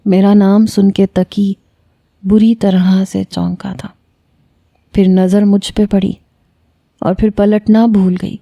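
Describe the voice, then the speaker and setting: A woman narrating a first-person romantic story in a steady, measured, reflective way. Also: mid-range voice, vocal fry, dry recording.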